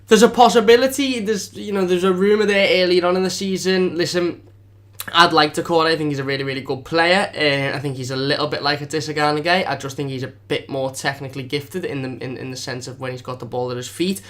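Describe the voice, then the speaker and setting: Fast-talking man, rambling. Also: fairly high pitch, a bit bright. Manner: fast, rambling, filler-heavy. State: slightly under the weather. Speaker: fan channel host. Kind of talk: casual live stream chat.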